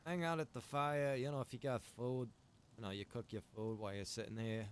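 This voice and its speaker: A man chatting casually on a game livestream, rambling and thinking out loud. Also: medium pitch, steady tone, fairly quick, slight background noise. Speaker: game streamer. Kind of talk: casual livestream chat while gaming.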